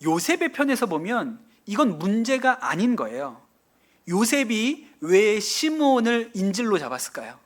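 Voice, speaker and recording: A middle-aged male pastor delivers a sermon in a church sanctuary. His voice sits high and moves through a wide, animated range. He retells the story, acts out the quoted lines, and puts questions to the congregation. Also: moderate pace.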